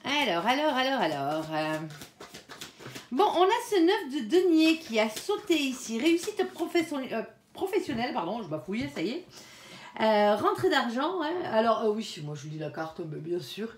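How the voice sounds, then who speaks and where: A woman's voice: a little high, very animated, normal speed, a little hiss or hum. A woman giving a casual tarot reading, talking chattily to her viewers and filling her speech with little interjections. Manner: chatty, peppers speech with "hein" and "alors"; softly pleads with her guardian angel between cards. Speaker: tarot card reader. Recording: echoey room.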